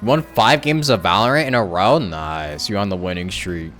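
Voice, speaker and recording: A man talks in a lowish voice while streaming a game. He chats in a loose, rambling way and fills his sentences with "like." Faint game music plays behind him. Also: expressive, normal speed, fairly bright tone. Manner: rambling, chatty, says "like" a lot. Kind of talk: casual live-stream chat.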